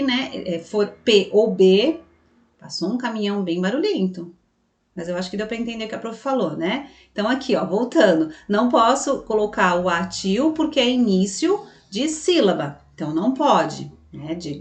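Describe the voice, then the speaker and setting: A woman teaching a children's spelling lesson online, patiently explaining step by step and voicing the pupils' questions herself. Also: medium pitch. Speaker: primary school teacher. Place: room with a passing truck heard outside. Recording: echoey room.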